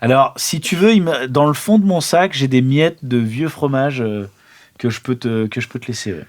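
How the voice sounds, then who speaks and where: A man's voice: mid-range voice, moderate pace. A man playing a tabletop role-playing game, chatting casually and improvising in character.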